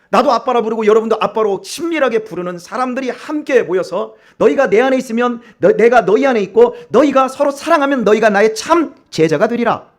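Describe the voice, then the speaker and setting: A man preaching a sermon as pastor in a church, emphatic and repeatedly asking his congregation questions. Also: high voice. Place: church sanctuary.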